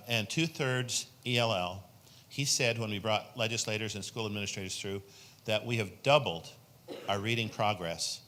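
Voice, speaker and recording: A state senator, a man with a lowish, sharp-toned voice, rises from the floor of a conference session to ask a question. He earnestly and long-windedly promotes a program.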